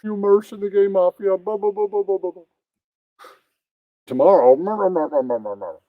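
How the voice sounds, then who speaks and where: A man's voice: sits high, normal speed, no room sound, phone-quality sound, voice pushed up, close to an everyday voice. A man voicing a crude, bickering puppet in improvised adult comedy, blustering bluntly and babbling nonsense syllables.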